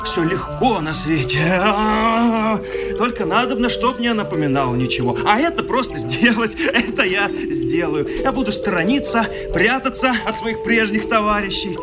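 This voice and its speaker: An actor playing an anguished, idealistic young husband in a radio drama, impassioned and pleading, stammering and repeating himself. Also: male voice, sits high, animated, normal speed. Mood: tearful, bitter. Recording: studio radio play with loud music. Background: music.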